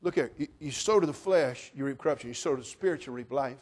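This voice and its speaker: A middle-aged man preaching a sermon as pastor, folksy and joking, building up to shouted passages. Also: medium pitch, fast, breathy edge.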